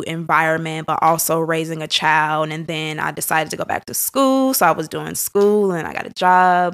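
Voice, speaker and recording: A woman with an American accent speaks at a moderate pace in a fairly low pitch. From US Midwest (St. Louis). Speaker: public relations professional. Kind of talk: casual chat.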